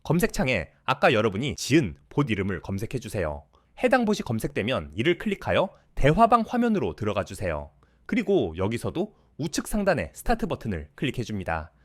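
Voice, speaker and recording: A man gives a scripted coding tutorial voice-over in a calm, polite, step-by-step manner. His pitch rises and falls widely from phrase to phrase, and the recording is close and dry, with no room sound. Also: brisk, no room sound. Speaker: coding course instructor.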